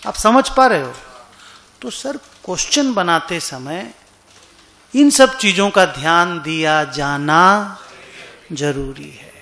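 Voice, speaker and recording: A man's voice: high voice, animated, takes it slowly, pauses often, pushed and bright. A man teaching an accounting class in a conversational way, often stopping to ask his students whether they follow. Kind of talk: classroom lecture. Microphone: online class recording.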